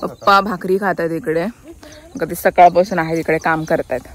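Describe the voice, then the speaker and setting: A young woman vlogging outdoors on a village farm, chatty and quick to laugh as she calls out to her family. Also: lowish voice, fairly even intonation. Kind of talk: casual vlog narration.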